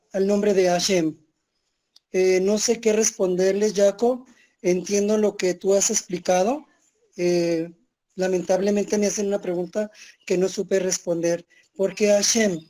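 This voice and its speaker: Man, earnest, hesitant, mellow tone, video call. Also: high-pitched. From Mexico. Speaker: participant asking a question.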